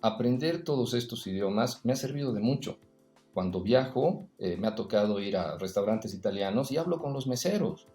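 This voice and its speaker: A man's voice: lowish voice, lively intonation, moderate pace, mellow, echoey room, soft background music. A man, a podcast guest, talking reflectively in a casual interview, telling personal stories and often adding "eh" and a tag question. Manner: reflective, storytelling, frequent "eh" and tag "¿no?".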